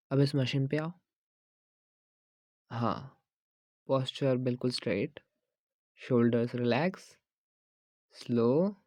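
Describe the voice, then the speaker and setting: A man playing a slow, gravelly flirty gym trainer. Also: no room sound. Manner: soft, coaxing, teasing with frequent low laughs; mixes Hindi and English phrases. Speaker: ASMR creator. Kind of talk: whispered role-play.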